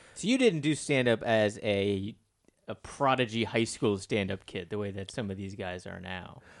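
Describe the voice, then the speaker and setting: A man's fairly low-pitched voice at a moderate pace, with ordinary pitch variation and a quiet background. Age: 30s. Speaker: podcast host, magazine editor. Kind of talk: casual chat. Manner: hesitant, many fillers.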